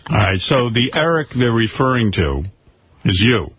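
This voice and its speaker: A man's voice: medium pitch, sing-song, moderate pace. Male radio host on dull, hissy audio. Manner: probing, interrupting questioner. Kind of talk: bantering radio talk with callers. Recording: dull lo-fi radio recording with hiss.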